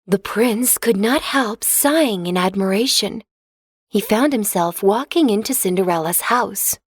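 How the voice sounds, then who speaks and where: A woman narrating a children's fairy tale in a clear, expressive storybook reading. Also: mid-range voice, measured pace, no room sound, clean studio sound.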